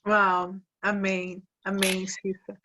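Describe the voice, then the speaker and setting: A woman hosting a casual Christian conversation, talking with lively feeling and acting out prayers in quotes. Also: medium pitch, slow pace, background noise. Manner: animated, acts out prayers in quotes. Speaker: host of a Christian women's talk. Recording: dull lo-fi sound.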